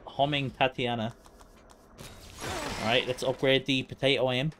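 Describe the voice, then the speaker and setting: Male speedrun streamer, mid-pitched, chatty live commentary, light game ambience underneath. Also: little pitch movement, moderate pace. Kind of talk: casual live gameplay commentary. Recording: faint noise, game audio behind. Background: video game ambience.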